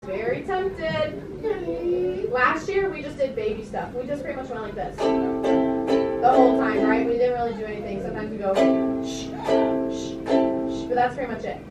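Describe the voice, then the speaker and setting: A woman's voice: sits high, moderate pace, long pauses, far from the mic. A young woman teaching a music class to small children, firm and upbeat, praising and counting off steps. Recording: echoey classroom from afar with loud ukulele music.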